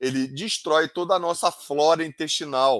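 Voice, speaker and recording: A man's fairly high voice, dry with no echo, over a quiet background. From Brazil, Rio de Janeiro (Vila Isabel/Tijuca); Rio de Janeiro, Brazil. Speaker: doctor, orthopedist. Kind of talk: live stream medical talk with viewer Q&A. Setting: live stream. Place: home room. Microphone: headset.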